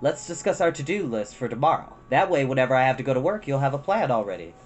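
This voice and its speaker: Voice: medium pitch, sing-song, fast talker, lightly acted. A storyteller voicing an easygoing, kindly father in a children's story. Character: easygoing, kindly father of two young girls.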